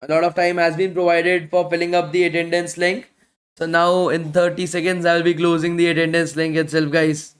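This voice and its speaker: A man's voice: on the high side, monotone, moderate pace. A man teaching a live online bootcamp, answering questions in casual talk and losing his voice from speaking daily. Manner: casual, repetitive, ends phrases with "guys". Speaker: bootcamp instructor.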